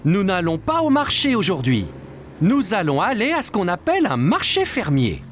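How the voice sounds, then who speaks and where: Very animated cartoon dad. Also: male voice, high voice, moderate pace, a little hiss or hum, full character voice. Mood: explaining. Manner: explains things simply. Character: patient, friendly father in a children's cartoon. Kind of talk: French-dubbed children's cartoon acting.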